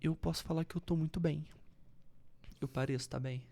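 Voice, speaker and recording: A Brazilian woman explaining public speaking as a coach in a podcast interview, very expressive, swinging from firm, loud emphasis to soft near-whispers to show tone of voice. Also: low voice, a little fast, gravelly.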